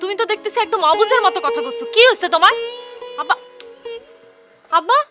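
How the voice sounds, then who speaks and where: Needs a pleading village daughter, lively high voice, music bed. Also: female voice, fast talker. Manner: coaxing, pleading. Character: young village daughter, peacemaker between her parents. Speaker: daughter in a TV serial. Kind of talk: TV drama acting. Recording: background music under the dialogue.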